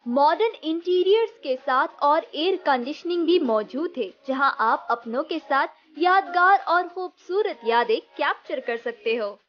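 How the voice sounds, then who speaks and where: A woman's voice: high voice, animated, measured pace, hardly any pauses, dull audio. A woman reading scripted promotional narration for an advertisement. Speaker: advertisement voice-over. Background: music.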